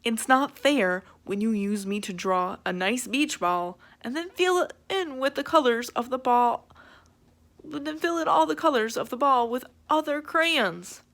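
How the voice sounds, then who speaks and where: A woman's voice: high-pitched, lively intonation, a little slow, a bit bright, full character voice. A woman voicing a resentful black crayon in a children's storybook, complaining indignantly. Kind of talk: children's storybook read-aloud.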